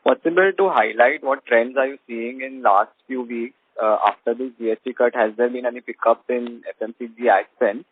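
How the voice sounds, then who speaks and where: A man's voice: medium pitch, brisk, hardly any pauses, breathy edge, no echo. A man with an Indian accent, an analyst calling in to ask questions on an earnings call. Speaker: analyst caller. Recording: dry tinny phone line.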